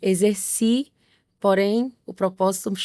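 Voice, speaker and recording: The voice has a dark, mellow tone, fairly even intonation and a slight northeastern Brazilian accent. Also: woman. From Northeast Brazil. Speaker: missionary. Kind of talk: testimony.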